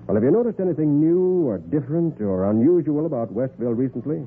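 An actor playing a confident, shrewd private detective, assured and direct, in a 1940s radio drama. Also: male voice, on the high side, very animated, quick pace. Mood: probing, intent. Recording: muffled, noisy 1940s radio recording.

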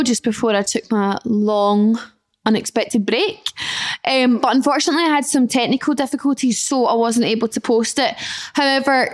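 A woman hosting a casual solo podcast, chatty and emphatic, recorded in a small flat with some room echo. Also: on the high side. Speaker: podcast host. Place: indoors, small echoey flat.

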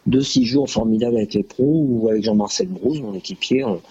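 An older French man, a former cyclist, telling stories in a hesitant, animated way full of fillers. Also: lowish voice, fairly quick, slightly rough, lo-fi sound. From France. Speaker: guest, former track cyclist. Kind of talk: casual conversation.

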